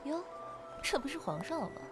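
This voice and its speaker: A woman's voice: high-pitched, very animated, a little fast, over loud music. A woman playing a sardonic, teasing young woman with a mocking manner in an amateur radio drama. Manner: dry, mocking.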